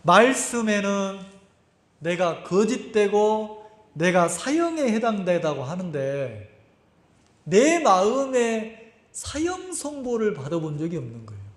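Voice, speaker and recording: A man's voice: sits high, very animated, slow. A male pastor preaching a sermon in a conversational way, acting out scenes and asking the congregation questions. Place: church sanctuary. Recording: echoey church sanctuary.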